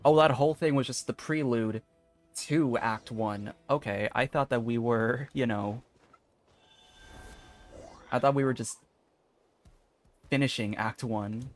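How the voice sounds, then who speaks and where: A man's voice: medium pitch, unhurried, pauses often, soft background music. A young adult man giving casual commentary as he streams a video game.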